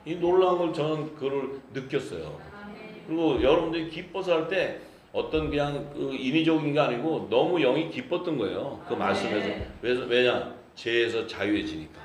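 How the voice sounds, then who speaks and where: A man's voice: mid-range voice, expressive, normal speed. A man from Busan, preaching a sermon as pastor in a jovial, laughing manner and reading scripture. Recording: echoey church hall with congregation. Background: congregation answering amen.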